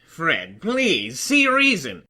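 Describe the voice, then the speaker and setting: A man's voice: fairly high pitch, huge pitch swings, drawn-out words, sharp tone, heavily acted. A man playing an earnest, foolish, romance-obsessed adventurer in an audio fantasy comedy, melodramatic and apologetic. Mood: pleading, dramatic. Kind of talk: audio fiction comedy acting.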